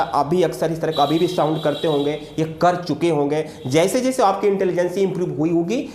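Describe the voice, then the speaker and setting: A man teaching an English grammar lesson. He drills example words emphatically, jumping high and dropping low, and slowly repeats key words. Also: roomy sound, a little hiss or hum. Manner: emphatic, drills examples with sharp rises and drops. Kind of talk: classroom-style video lesson.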